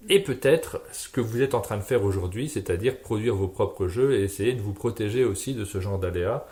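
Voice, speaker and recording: Male host, fast talker, lowish voice, attentive interviewer. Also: a little mellow. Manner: attentive, frequent affirmations. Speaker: podcast host.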